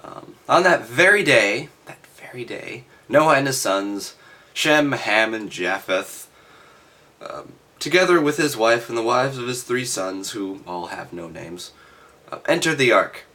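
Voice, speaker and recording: A man reading aloud and adding halting, offhand, skeptical commentary with sardonic asides. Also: mid-range voice, expressive, sharp tone. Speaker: reader and commentator.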